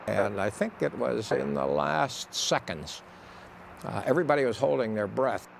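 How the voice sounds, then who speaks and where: A man's voice: mid-range voice, normal speed, creaky, slight background noise. An older man, a former mission controller, recalling events in an interview. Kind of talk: documentary interview recollection.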